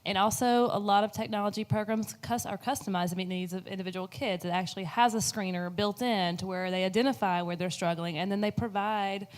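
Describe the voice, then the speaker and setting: A woman's voice: mid-range voice, steady tone, a little fast, few pauses. A woman panelist answering an audience question emphatically and affirmingly.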